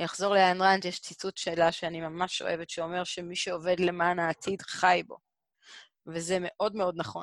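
A woman speaks at a fairly low pitch and a moderate pace with monotone, flat intonation. Her loudness swings widely, and the background is quiet. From central Israel. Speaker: political candidate. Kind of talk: interview.

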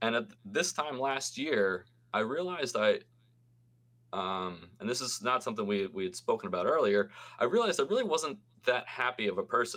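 With an American accent, a man speaks at a moderate pace. His medium pitch swings very widely. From New Jersey. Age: 40s. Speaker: real estate agent. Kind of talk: casual interview.

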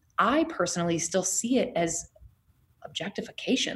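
Her pitch swinging very widely, a woman speaks at a moderate pace in a somewhat breathy voice. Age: 30s. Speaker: fitness platform founder. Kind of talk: casual chat.

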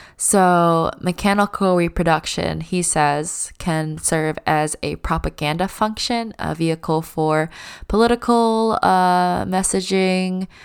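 In a very clean recording with a silent background, a woman with an American accent speaks at a very slow pace in a fairly low pitch, with hardly any pauses. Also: ordinary pitch variation. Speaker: podcast host. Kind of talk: casual solo ramble, unscripted podcast. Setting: home recording without headphones. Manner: casual, rambling, many filler words; slightly louder, natural, not polished.

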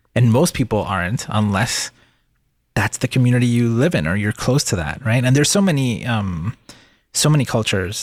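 It is an ordinary speaking voice with a dry, close sound and no echo. The recording is very clean, with a silent background. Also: man. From US Northeast (New Jersey). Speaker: podcast host. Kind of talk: casual chat.

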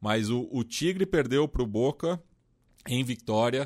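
A man with a medium-pitched, unremarkable speaking voice talks at a moderate pace on a very clean recording with a silent background. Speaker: football podcast host. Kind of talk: casual chat.

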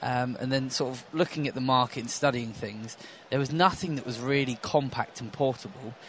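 With a British accent, a man speaks at a fairly quick pace in a medium pitch, ordinary pitch variation and big swings in loudness, over noticeable background noise. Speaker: scooter company director. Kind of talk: interview. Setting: trade show in Berlin.

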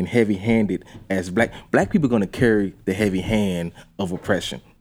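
This man has a normal speaking voice, fairly low in pitch with ordinary variation, and he talks at a moderate pace with an American accent. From US South, Augusta, Georgia. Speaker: art director and clothing designer. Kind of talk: casual chat.

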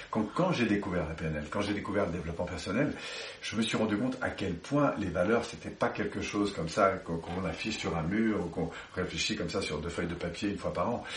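Over noticeable background noise and audible room echo, a man talks at a fairly quick pace in a fairly low voice with ordinary pitch variation. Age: 50s. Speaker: personal development trainer. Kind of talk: interview. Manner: halting.

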